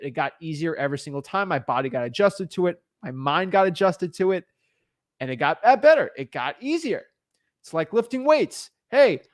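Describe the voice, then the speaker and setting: A man's voice: fairly high pitch, no echo, studio quality. A young man coaching on cold calling in a casual, rambling way, restarting and repeating himself often. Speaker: real estate wholesaling coach. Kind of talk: casual teaching monologue. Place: Florida.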